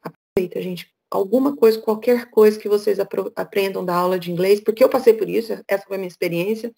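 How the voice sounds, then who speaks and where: A woman's voice: medium pitch, fairly even intonation, fast, vocal fry, warm tone, breathy edge. A middle-aged woman from Brazil, speaking as a guest speaker over a video call, frank and chatty. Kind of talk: casual talk on a video call.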